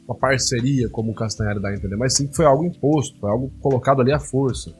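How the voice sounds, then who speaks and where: Fast-talking man commenting. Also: mid-range voice, soft background music. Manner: animated, indignant, slangy, many "né" fillers. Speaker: host analyzing rhetoric. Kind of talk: casual commentary.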